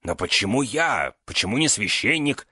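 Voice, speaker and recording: A man's voice: on the low side, sing-song, normal speed, fairly bright tone, dry recording, studio quality, pitched above the performer's own voice. A man voicing a desperate aging magister who pleads with his former pupil. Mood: pleading. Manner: pleading, rising to outbursts.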